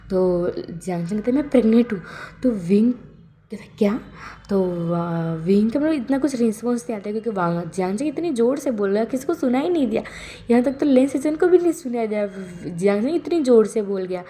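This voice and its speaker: A woman's voice: a little high, lively intonation, quick pace, dark tone, slight background noise. A woman casually retelling a fan-fiction story to her viewers in a rambling, chatty way, with many fillers and restarts. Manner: addresses viewers directly.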